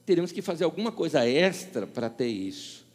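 A man's voice: on the high side, fairly quick, slightly rough, long reverb tail. A male pastor with a Paulistano Brazilian Portuguese accent preaching a sermon, telling stories and acting out the dialogue. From São Paulo, Brazil. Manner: storytelling, acting out dialogue with lively shifts.

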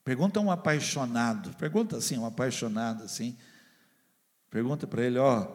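A man with a Brazilian Portuguese accent preaching a sermon as a pastor, fervent, swinging between loud and hushed delivery, and acting out the voices he quotes. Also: medium pitch, fairly quick. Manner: acts out the lines of people and God he quotes. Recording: long hall reverb.

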